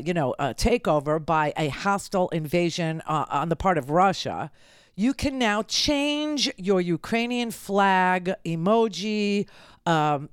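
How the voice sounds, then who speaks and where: Middle-aged woman talk host: smooth clear voice, dry close mic, blunt and sardonic. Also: mid-range voice, no room sound. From United States. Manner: sardonic, blunt, repeats phrases for emphasis. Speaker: radio talk show host. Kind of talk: political talk radio monologue.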